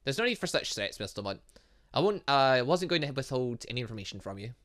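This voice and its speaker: A man acts out an older gentleman scientist in a visual novel game. He is polite and formal, explaining in measured, halting phrases. The voice sits at a middling pitch with a bright edge. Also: big pitch swings. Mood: polite, explanatory. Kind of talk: reading visual novel dialogue.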